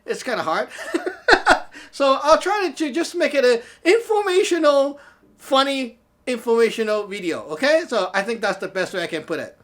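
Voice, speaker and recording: Here a Hong Kong man, Cantonese by first language, talks to camera at a moderate pace in a very high, expressive voice with a fairly bright tone. A chatty Taoist teacher and show host, he gives a casual talk show monologue, laughing often and asking "okay?" again and again.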